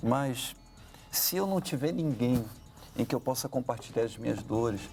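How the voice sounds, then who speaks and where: Music plays behind a man speaking at a moderate pace with a medium pitch. His intonation is lively while his loudness stays very even. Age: 50s. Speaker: pastor. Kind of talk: religious talk show conversation.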